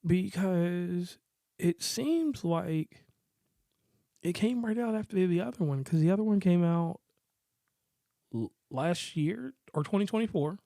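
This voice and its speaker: American dude podcast host, kinda high voice, slangy jokey rambling, very dry sound. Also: male voice, animated, slow pace, creaky, long pauses, warm tone, dry recording. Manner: rambling, joking, informal slang. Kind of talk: casual movie review chat.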